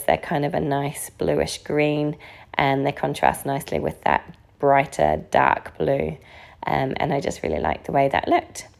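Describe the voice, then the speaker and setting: A woman with a croaky voice from a recent illness, narrating a casual card-making tutorial in a relaxed, chatty way. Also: deep voice. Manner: relaxed, chatty, frequent ums. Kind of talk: casual craft tutorial voice-over.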